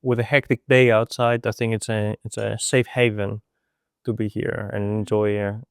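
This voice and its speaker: A man from Greece interviewing a home cook, speaking in a slow, halting, affirming way. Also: lowish voice, little pitch movement, creaky, clean tone, no echo, clean studio sound. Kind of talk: casual interview.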